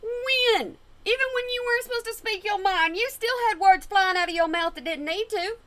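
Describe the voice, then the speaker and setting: A woman's voice: extremely high pitch, moderate pace, fairly bright tone, a little hiss or hum. A woman hosting a reaction video at home, making sarcastic, sassy remarks back at a clip. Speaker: reaction channel host. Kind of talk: casual commentary over a clip.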